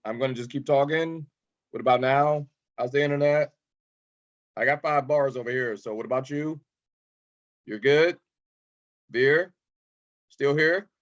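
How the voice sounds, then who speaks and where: A man's voice: medium pitch, unhurried, pauses often. A man hosting a podcast interview, chatty and proud of his home town. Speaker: podcast host. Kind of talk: casual interview chat. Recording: slightly dull lo-fi audio.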